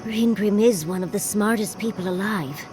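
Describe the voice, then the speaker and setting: A woman's voice: medium pitch, normal speed, a little mellow, soft background music, lightly acted. An actress playing a spirited, wry female companion in a video game. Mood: reluctant.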